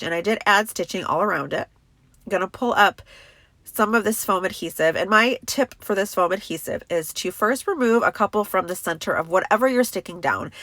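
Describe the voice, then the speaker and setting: A woman's voice: medium pitch, fairly bright tone, dry recording. A woman with a stuffy, congested voice, chatting enthusiastically through a crafting tutorial voice-over. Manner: chatty and enthusiastic, many fillers.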